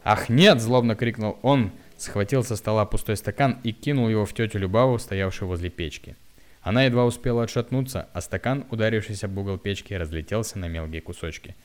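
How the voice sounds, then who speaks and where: A man reading a story aloud in a calm, even narrating voice. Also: on the low side, a little fast. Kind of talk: audiobook narration.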